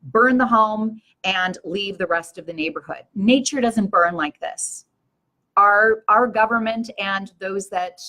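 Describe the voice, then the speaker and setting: A woman's voice: fairly low pitch, pushed and bright. An older woman hosting her own show, talking earnestly and with passion to her viewers in a preachy, rousing way. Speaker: show host. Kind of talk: live-stream talk to viewers.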